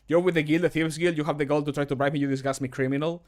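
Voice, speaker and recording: A man voicing a stern, formal city guard for a fantasy game, with measured, admonishing delivery. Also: on the high side, steady tone, a little mellow, close to an everyday voice. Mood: stern warning.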